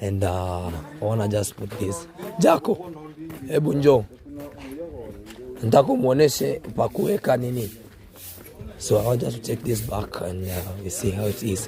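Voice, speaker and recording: Music plays behind a man with a medium pitch and lively intonation. He keeps a moderate pace, broken by long, frequent pauses. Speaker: vlogger. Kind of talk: casual vlog.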